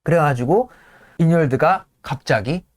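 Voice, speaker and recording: A man's voice: on the high side, dry recording. A man hosting a casual show, retelling the scenes of a play and acting out the lines of its characters. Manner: lively, breaks into laughter and apologizes; acts out lines in quick voices. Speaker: host.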